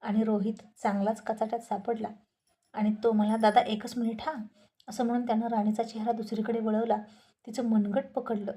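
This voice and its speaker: A woman storyteller narrating a romantic serial story in a calm, measured way. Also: a little high.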